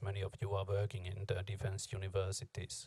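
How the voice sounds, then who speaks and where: Somewhat breathy and fairly low-pitched, a man speaks at a moderate pace with a dry, close sound and no echo. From Finland. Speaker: peace activist. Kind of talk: audience question.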